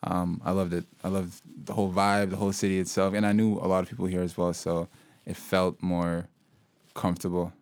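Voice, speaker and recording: A young man from Sudan, a local hip-hop artist, talking about his music in a relaxed, rambling way with many fillers and restarts. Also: low-pitched, a little fast, no room sound. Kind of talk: casual interview conversation.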